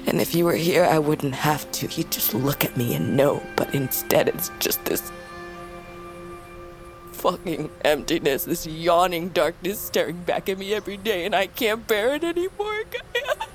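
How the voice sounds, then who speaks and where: Slow, grieving young tribal woman. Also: lowish voice, expressive. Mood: weary, anguished. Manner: halting, intimate, slipping into whispers. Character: grieving young tribal butcher, yearning daughter of a queen. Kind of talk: dramatic audio fiction monologue. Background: music bed.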